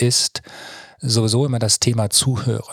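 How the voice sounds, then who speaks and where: A man's somewhat breathy voice at a moderate pace, with fairly even intonation and a dry, close sound with no echo. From Swabia, southwest Germany. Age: 50s. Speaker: public agency executive. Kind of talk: interview conversation. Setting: studio. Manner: hesitant with many fillers.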